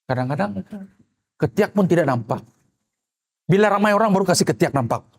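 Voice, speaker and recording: A male pastor preaching a sermon, swinging between loud exclamations and quiet asides and acting out the people he quotes. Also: high-pitched, animated, fairly quick.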